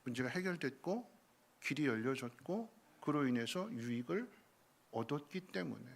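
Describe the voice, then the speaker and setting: A male pastor preaching a sermon in a church. He swings between soft, low passages and loud, emphatic bursts, and acts out the prayers he quotes. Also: animated, moderate pace, vocal fry. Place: church sanctuary.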